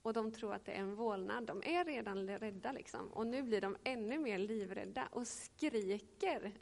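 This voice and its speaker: A woman in her thirties giving a reflective sermon and reading scripture, pausing often with hesitations. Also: medium pitch, gravelly. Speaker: preacher.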